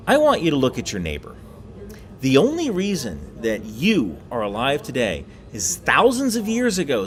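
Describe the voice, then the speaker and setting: A man hosting a casual explainer monologue with wry asides and emphatic delivery, recorded on a laptop while away on a work trip. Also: mid-range voice. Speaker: YouTube explainer host.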